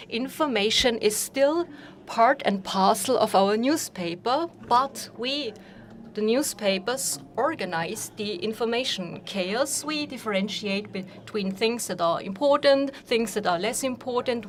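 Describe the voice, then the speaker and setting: A woman interpreting a formal conference keynote, with a measured delivery and an occasional restart. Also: a little high, expressive, a little hiss or hum.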